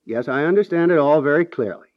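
A man's voice: on the high side, fast, no echo, lightly acted. An American man acting a polite, reasonable, dryly frank house planner in a 1950s radio comedy. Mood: businesslike. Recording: dull 1950s radio recording.

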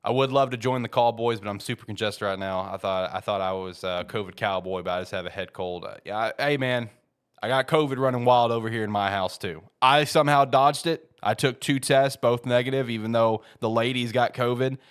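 A man's voice: mid-range voice, brisk, fairly bright tone, clean tone. A congested man with a head cold hosting a casual sports talk show, rambling with many fillers and restarts and bursting into emphatic peaks. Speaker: podcast host.

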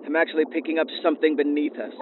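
A man playing a steady diver over a tinny helmet radio intercom, higher-pitched and crackling with static. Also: rapid-fire. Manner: clipped, matter-of-fact radio reports. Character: steady male deep-sea diver, professional and alert. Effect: helmet radio intercom, diving suit comms. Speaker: diver on an exploration team.

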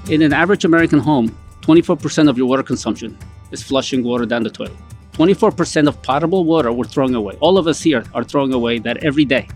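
A man's voice: mid-range voice, fast talker, soft background music. A middle-aged man from Colombia speaking earnestly in a news interview, with occasional restarts. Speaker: interviewee, company representative. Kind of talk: interview remarks.

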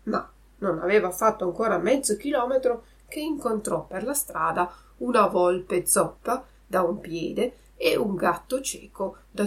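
A woman narrating a classic children's story aloud with expressive storytelling. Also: mid-range voice.

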